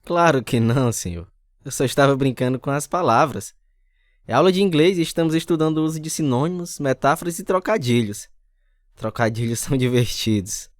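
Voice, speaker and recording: A man's voice: medium pitch, brisk, no echo, clean studio sound, lightly acted. A man acting in a radio drama as a man telling the story of his mischievous, sporty youth. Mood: cheeky, polite. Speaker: narrator and lead actor. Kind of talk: dramatized first-person radio narration.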